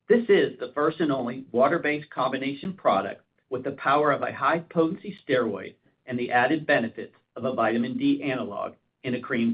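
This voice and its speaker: A man, a senior executive, reading a scripted commercial update for an earnings call in a formal, businesslike way. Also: medium pitch. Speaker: chief operating officer. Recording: narrowband phone conference line.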